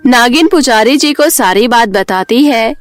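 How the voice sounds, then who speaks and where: Female storyteller, high voice, scripted narration over background music. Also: animated, a little slow.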